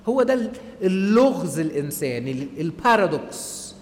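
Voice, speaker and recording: A man with an Egyptian Arabic accent giving an animated church talk to a group, acting out the voices people use on themselves. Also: high voice, a little fast, in a large hall, a little hiss or hum. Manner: animated, acts out inner voices. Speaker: church speaker.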